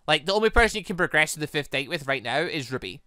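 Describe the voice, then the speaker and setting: A gaming host giving casual, rambling commentary in an excitable, conversational way. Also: mid-range voice, fast, clean tone, dry recording, studio quality.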